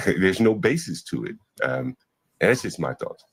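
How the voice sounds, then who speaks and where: Husky low-voiced guy in his 50s, blunt and dismissive, pitch swings all over. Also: big pitch swings, a little slow. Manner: blunt, dismissive, rambling with restarts. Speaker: commentator reacting to a panel. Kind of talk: opinionated commentary.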